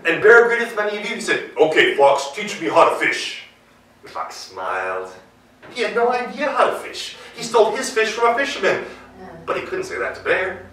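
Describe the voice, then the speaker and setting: A man's voice: high voice, very animated, fairly quick, a bit bright. An American man telling a folktale live, playfully putting questions to his listeners. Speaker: storyteller. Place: live event room with audience. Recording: roomy live hall, distant mic.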